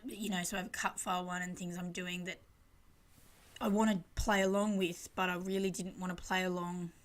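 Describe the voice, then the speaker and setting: This craft channel host has a lowish, level voice and speaks briskly in her casual scrapbooking voice-over. She's chatty and rambling, often poking fun at herself.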